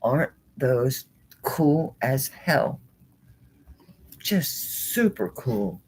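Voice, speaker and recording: A woman's voice: rumbling low, sing-song, extremely slow, darkish tone, a little hiss or hum, poor audio. A woman hosting a live jewelry auction in a chatty, casual way, laughing often and talking to herself as she handles items. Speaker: online jewelry seller.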